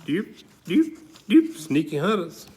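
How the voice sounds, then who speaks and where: A man's voice: high voice, big pitch swings, slow, warm tone, slight background noise, full character voice. A man voicing a comic, folksy gator who breaks in with running commentary and repeats his phrases. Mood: excitable. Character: comic gator puppet, excitable, folksy heckling listener.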